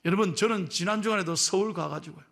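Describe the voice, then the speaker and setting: A middle-aged male pastor with a Gyeongsang accent, preaching a sermon in a joking, lively way and teasing his congregation. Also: sits high, fast talker, gravelly. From Gyeongsang region of Korea. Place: church sanctuary.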